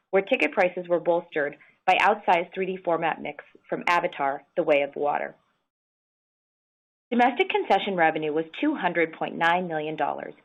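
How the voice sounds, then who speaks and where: An American woman reading scripted financial results in a formal, measured way as a corporate executive on a conference call. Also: fairly low pitch. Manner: formal, measured business delivery. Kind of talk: scripted earnings call presentation. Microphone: conference call line. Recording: dull, band-limited conference call audio.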